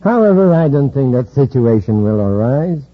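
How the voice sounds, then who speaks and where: An actor playing a cold, calculating villain who leads a gang, in an old radio drama. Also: male voice, medium pitch, sing-song, normal speed, close to an everyday voice. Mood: menacing. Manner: smooth, cool menace. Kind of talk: 1950s radio drama acting. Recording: dull old radio broadcast recording.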